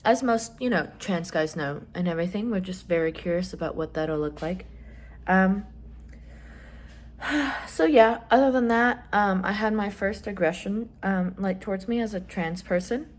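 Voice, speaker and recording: A young trans man chatting casually in a vlog, rambling with lots of fillers and some swearing, his voice rising when he gets excited. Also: moderate pace. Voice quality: voice still fairly high, rising when excited. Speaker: vlogger.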